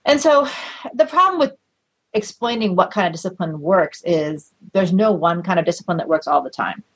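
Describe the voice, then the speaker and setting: A middle-aged woman, a researcher, explaining findings in a measured, conversational way during an interview. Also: fairly low pitch, expressive, breathy edge, poor audio. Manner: measured, explanatory, with light laughs and fillers. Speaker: research guest.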